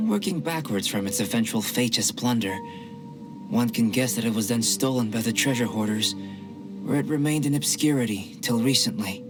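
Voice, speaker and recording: An actor playing a calm, scholarly young male alchemist in a video game, speaking in a measured, formal way. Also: mid-range voice, lightly acted. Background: game music.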